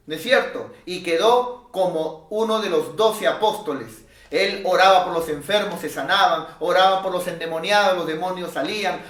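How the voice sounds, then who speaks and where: A Peruvian Spanish-accented pastor preaches with a high, emphatic voice. He swings between loud, rising calls and low, quiet asides. The sound carries a noticeable room echo. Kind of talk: sermon.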